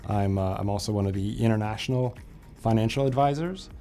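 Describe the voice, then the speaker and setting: A man's voice: lowish voice, a little fast, warm tone, soft background music. A man in his forties from France, a financial advisor talking easily about his career, with frequent fillers and restarts. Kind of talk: company profile interview.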